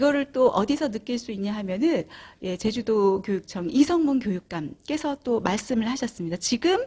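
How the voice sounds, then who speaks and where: A woman's high voice with very wide pitch swings, at a moderate pace, on a very clean recording with a silent background. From Jeju, eastern Seongsan area. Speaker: parent content creator. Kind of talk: informational commentary video. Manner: frequent fillers, conversational.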